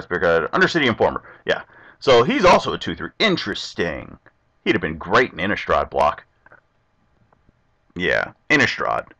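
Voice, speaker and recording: A young man casually commentating his online card game, chatty and talking to his opponent. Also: lowish voice. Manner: chatty, animated, talks to himself and the opponent. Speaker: gameplay commentator. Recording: dull lo-fi recording.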